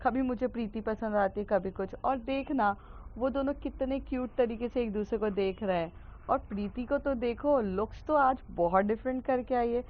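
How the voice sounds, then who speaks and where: A frank, chatty teenage head girl, as a woman puts her on, voice a touch high. The recording is dull, with a faint hiss. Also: normal speed, lightly acted.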